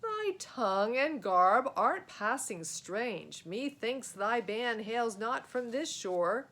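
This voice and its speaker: A woman's voice: a little high, sing-song, slow, a bit bright, full character voice. Woman acting a pompous, menacing Black Knight. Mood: haughty challenge. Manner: pompous, archaic, declamatory. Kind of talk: children's storybook read aloud.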